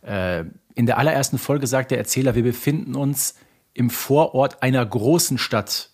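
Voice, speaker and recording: A man from North Rhine-Westphalia talks as a podcast co-host. His voice is husky and sits at a middle pitch. He explains in a conversational, detail-minded way. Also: moderate pace, darkish tone. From North Rhine-Westphalia, Germany (Ruhr area). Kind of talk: casual conversational podcast discussion.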